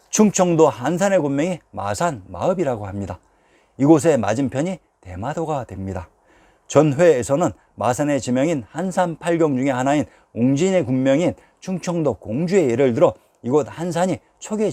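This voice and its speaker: A man narrating a scripted history lecture at a measured pace, putting rhetorical questions to the viewers. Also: mid-range voice, warm tone, dry recording.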